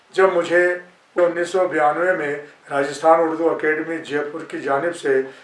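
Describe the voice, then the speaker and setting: A fairly high-pitched man amid audible room echo and noticeable background noise. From India, Rajasthan (Fatehpur Shekhawati). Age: 70s. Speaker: poet and writer. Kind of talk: reading aloud. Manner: formal.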